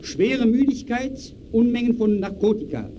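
An actor playing an impersonal case reporter who declaims terse log entries in the style of a 1920s radio play. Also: male voice, very high voice, lively intonation, a little slow. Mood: detached. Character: impersonal male case reporter logging a man's day. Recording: noisy early radio recording.

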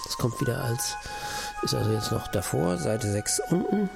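Male musician, casual working talk, heavy fry, medium pitch, instruments underneath. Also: animated, moderate pace, music in the background. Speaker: composer or musician at work.

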